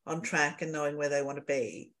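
A woman's voice: low voice, brisk, a bit bright. A woman co-hosting a podcast in casual conversation, agreeable and thinking aloud as she talks. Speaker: podcast co-host.

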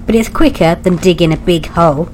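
A woman's voice: on the low side, a little fast, a little mellow, slight background noise, close to an everyday voice. A woman playing a wry, playful storyteller, delivering scripted comic narration for a pantomime.

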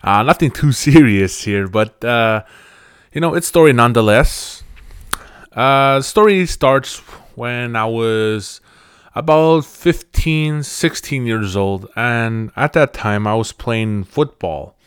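A man in his thirties whose first language is Cree, hosting a podcast and telling a personal story in a casual, halting way, often restarting his phrases. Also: medium pitch, animated, smooth, no room sound, clean studio sound. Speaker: podcast host.

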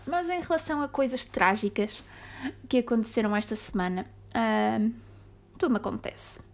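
A woman from Mangualde in Portugal with a light Beira-tinged European Portuguese accent, hosting a casual solo podcast. She rants in a chatty way, jumping between loud bursts and near-whispers. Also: a little high, expressive, normal speed, vocal fry. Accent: European Portuguese, slight Beira. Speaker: podcast host.

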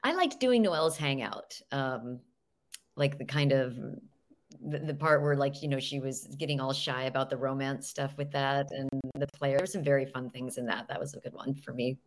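Low-voiced woman, unhurried. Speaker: voice actor panelist. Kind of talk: casual panel chat.

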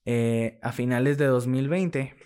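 Young Mexican-accented man, podcast guest, candid and animated storyteller who voices the people in his story. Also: mid-range voice, a little slow, clear, resonant tone. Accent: Mexican Spanish. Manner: lively, acts out quoted dialogue, laughs while telling. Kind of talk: casual storytelling in an interview.

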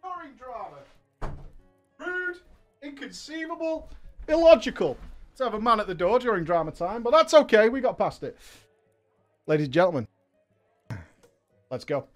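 A man hosting a livestream show who reads viewer letters aloud, talking in a loud, hyped way with swearing and rambling asides. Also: extremely high pitch, big pitch swings, normal speed, pauses often, soft background music. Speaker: streamer and show host.

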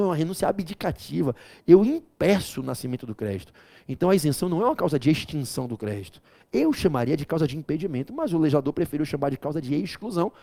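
A man lecturing on law with big theatrical energy, his voice sitting fairly high and swinging widely. There's a gravelly fry in his tone, and he breaks into shouted, chanted memory tricks. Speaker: law teacher.

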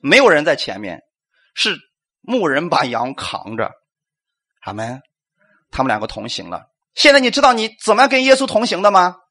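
High, animated male preacher. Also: normal speed. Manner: animated, rhetorical questions, acts out quotes, calls for amens. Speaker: pastor. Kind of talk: sermon.

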